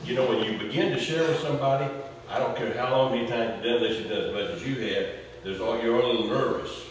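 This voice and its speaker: A man's voice: mid-range voice, fast, a little hiss or hum. An older man sharing earnest advice with a church group, often restarting his sentences. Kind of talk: group discussion. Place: church fellowship hall. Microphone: far camera. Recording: echoey hall from far off.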